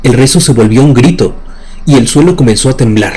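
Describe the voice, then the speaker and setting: A man's voice: medium pitch, animated, fairly quick, mellow, a little hiss or hum. A man narrating scripted horror stories in a dramatic, suspenseful way. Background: music bed.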